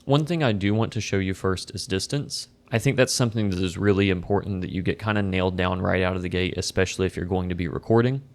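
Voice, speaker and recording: A man with a somewhat low voice talks through a product review from his home desk. He is easygoing and conversational, often downplaying his own know-how. He sits close to the microphone in a small corner setup. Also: fast, few pauses. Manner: relaxed, conversational, self-deprecating. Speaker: tech reviewer. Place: home desk in a corner facing two walls. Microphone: close condenser desk mic.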